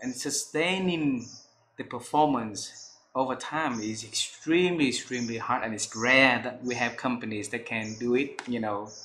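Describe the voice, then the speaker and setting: A man speaks with a Vietnamese accent at a moderate pace. His tone is bright and sharp. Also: medium pitch for a man, ordinary pitch variation. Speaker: interview host. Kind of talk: interview. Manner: halting.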